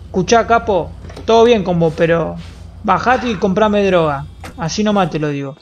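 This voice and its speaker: A man's voice: high-pitched, moderate pace, muffled recording, faint music behind. A young man with an Argentine accent, streaming a game and joking with crude slang. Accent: Rioplatense Spanish. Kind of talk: casual gameplay commentary.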